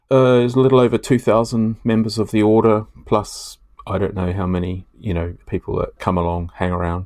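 Someone with a New Zealand accent talks at a fairly quick pace on a very clean recording with a silent background. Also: man, fairly low pitch for a man, ordinary pitch variation, hardly any pauses. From New Zealand, small town. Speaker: Buddhist scholar. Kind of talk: interview conversation.

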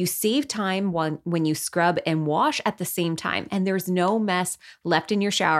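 Enthusiastic and animated in tone, a woman speaks at a fairly low pitch and moderate pace with ordinary pitch variation. The recording is very clean with a silent background. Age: 30s. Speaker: podcast host. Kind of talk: read-out ad; casual interview chat. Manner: enthusiastic, animated.

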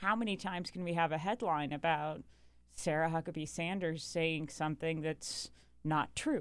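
A woman with an American accent speaks at a moderate pace in an ordinary speaking voice, her pitch fairly low and her intonation fairly even. The recording is very clean, with a silent background. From North Carolina. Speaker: political writer and lawyer. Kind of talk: casual political chat.

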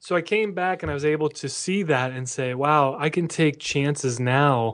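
Against a quiet background, a man with a Midwestern accent speaks with ordinary pitch variation. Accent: General American (Midwest). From Iowa, US Midwest. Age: 30s. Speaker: social media consultant. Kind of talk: interview.

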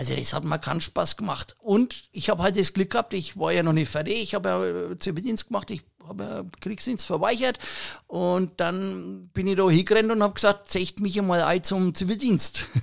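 A man speaks in a high voice. He has a Franconian accent. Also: ordinary pitch variation, moderate pace. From Franconia, Fürth. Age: 50s. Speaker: beer sommelier and musician. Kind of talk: casual interview storytelling.

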